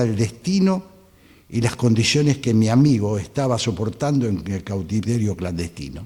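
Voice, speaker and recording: The tone is dark and mellow, somewhat breathy. Intonation is lively, and the pace is moderate. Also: man. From Argentina. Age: 70s. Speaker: conference speaker, former political activist. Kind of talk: prepared talk read aloud. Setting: conference hall.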